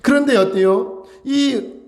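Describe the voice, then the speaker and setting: A man's voice: very high-pitched, slow pace, darkish tone. A male pastor preaching a sermon, emphatic and full of rhetorical questions to his congregation.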